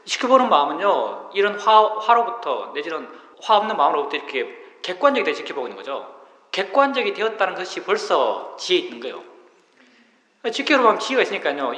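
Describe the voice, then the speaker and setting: A man's voice: high voice, very animated, fast, sharp tone. A middle-aged man, a Buddhist monk giving a dharma talk to meditators, explaining patiently and asking rhetorical questions. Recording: roomy hall reverb.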